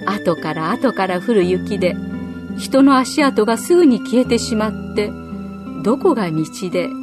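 A woman narrating a children's story in a gentle, measured storytelling manner. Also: medium pitch. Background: faint music.

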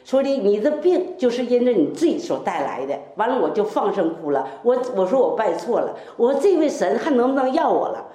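An older woman, a church member, shares a heartfelt, rambling testimony packed with quoted dialogue. Her mellow voice sits a little high, swings widely in pitch, and moves briskly with hardly any pauses. The room is echoey, with faint music in the background.

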